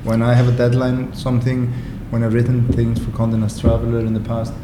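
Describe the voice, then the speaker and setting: Man, middle-aged, native Icelandic speaker, wry, self-deprecating, casual interview guest, roomy sound, clear background noise. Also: medium pitch, a little fast. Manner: relaxed, wry, self-deprecating, laughs often.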